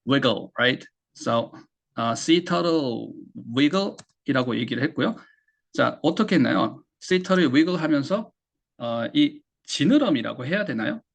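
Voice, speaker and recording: Korean guy teaching english sounds, gravelly husky voice, keeps asking then answering himself, says the english words over and over. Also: medium pitch, lively intonation, takes it slowly. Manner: explains step by step, asks and answers his own questions; demonstrates English words by repeating them. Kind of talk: online English pronunciation lesson.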